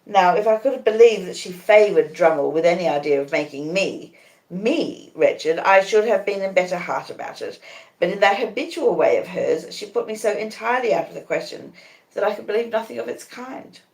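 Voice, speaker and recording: An Australian woman narrating a classic novel with deliberate, dramatic storytelling. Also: medium pitch, lively intonation, darkish tone. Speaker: reader, comedian. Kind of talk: live audiobook-style literary narration. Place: conservatory in a small cottage. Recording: echoey, reverberant room.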